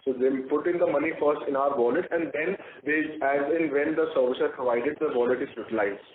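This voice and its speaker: A man's voice: on the high side, a little fast. A man with an Indian accent, a company executive answering questions on a conference call with hesitant, filler-heavy phrasing. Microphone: phone conference call. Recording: echoey, noisy, tinny phone line.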